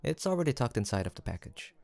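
Very animated and quick, with a gravelly, medium-pitched voice and no echo, a man portrays a gentle young village apothecary in a soft roleplay audio drama. He stays polite and formal, reassuring the listener attentively and kindly.

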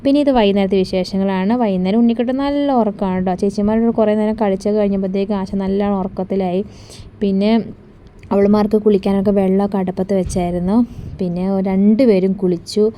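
A woman's voice: mid-range voice, fairly even intonation, brisk, warm tone, a little hiss or hum. A woman vlogger and mother chatting casually through her day, homely, often ending sentences with a friendly tag. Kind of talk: casual daily vlog narration.

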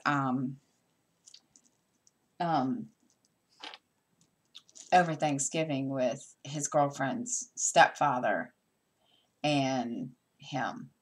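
A chatty middle-aged woman talks to her camera at home while she stitches. Her voice sits low, and she wanders through her thoughts with fillers and restarts. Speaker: stitching vlogger. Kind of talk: casual chat while stitching. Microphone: camera mic.

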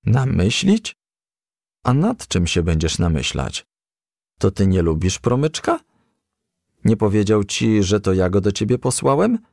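A man voicing a stern, fatherly male firefly who admonishes in measured storybook dialogue. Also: lowish voice, sing-song, vocal fry, darkish tone, no room sound, clean studio sound, heavily acted. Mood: stern, reproachful.

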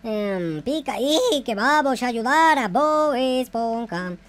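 An excitable, bossy, slangy gamer bantering through a Minecraft roleplay. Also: mid-range voice, slow pace. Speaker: gaming video host. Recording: music under the voice. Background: music.

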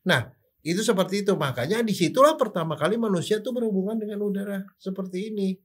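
An older man, a forensic doctor, explaining in casual chat with rhetorical questions and animated sound effects. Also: high voice, quick pace, husky.

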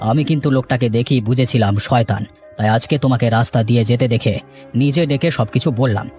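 A man acting a fast-talking, shrewd cartoon broker. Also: mid-range voice, a little mellow, faint music behind, close to an everyday voice. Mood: confiding, advising. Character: seasoned city land broker, shrewd, cautioning middleman. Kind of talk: dramatized cartoon dialogue.

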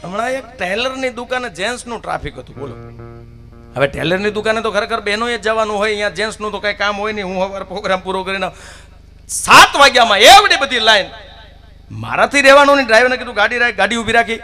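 A man tells devotional tales and comic stories at a live stage event. His voice is high and bright and swings between loud and hushed. Faint tabla plays behind him. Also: expressive, quick pace, soft background music. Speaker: folk storyteller. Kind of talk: live devotional storytelling with jokes.

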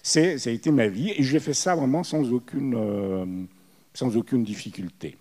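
A man's voice: medium pitch, moderate pace, a little mellow, slightly rough. A man in his sixties from Italy with an Italian accent, telling anecdotes on a panel with many fillers and restarts. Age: 60s. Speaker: panel guest. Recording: hall reverb.

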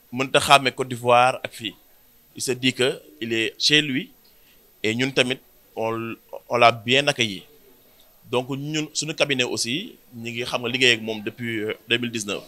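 Senegalese man, thirties, press conference, measured explanatory delivery, tense bright tone. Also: mid-range voice. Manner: switches between French and Wolof, measured and explanatory. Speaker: event organizer. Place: indoor press room before a banner. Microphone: cluster of handheld press mics.

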